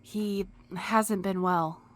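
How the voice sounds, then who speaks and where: A woman playing a gentle, earnest, sometimes exasperated courier in an audio drama. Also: mid-range voice, fairly even intonation, extremely slow. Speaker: voice actor in a fiction podcast. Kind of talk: scripted audio drama acting.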